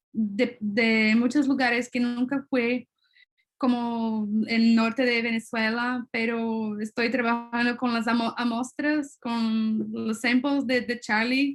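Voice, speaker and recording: A woman speaks very slowly with a non-native accent. Her intonation is flat and monotone. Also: fairly high pitch for a woman. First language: not Spanish (speaking Spanish). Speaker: researcher. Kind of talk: Q&A in online talk. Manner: halting.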